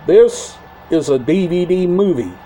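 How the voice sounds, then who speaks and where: A man hosting a casual video, talking in short, halting phrases and often repeating himself. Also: high voice, lively intonation, dark tone, slight background noise. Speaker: YouTube channel host. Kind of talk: casual talk to camera about a media collection.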